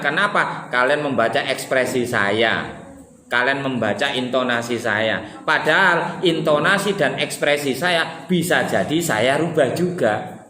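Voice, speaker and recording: Animated East Javanese man teaching. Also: on the high side, echoey room. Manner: animated, acts out quoted lines with shifting tone. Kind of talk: classroom lecture. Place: classroom.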